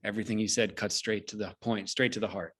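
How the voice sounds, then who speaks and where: A middle-aged man moderates an online discussion over a video call. His voice sits fairly low, and he talks in a measured, earnest manner. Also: steady tone, fairly bright tone, slightly rough. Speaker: host.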